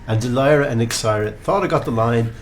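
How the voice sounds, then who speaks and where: Male bingo co-host, mid-pitched voice. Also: brisk, faint music behind. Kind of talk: casual banter.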